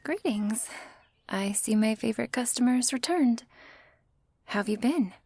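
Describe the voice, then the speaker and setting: Slow whispering woman shopkeeper, gravelly. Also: on the high side, animated, no room sound. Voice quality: soft breathy whisper. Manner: friendly, softly welcoming. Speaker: ASMR roleplay performer as flower shopkeeper. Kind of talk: whispered ASMR roleplay.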